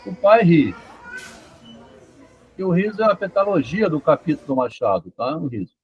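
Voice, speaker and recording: A man's voice: on the high side, lively intonation, moderate pace, muffled recording. A man talking casually, rambling and checking in with "tá?" and "né?" as he goes. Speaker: author discussing his doctoral thesis. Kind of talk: casual conversation about psychoanalysis and literature.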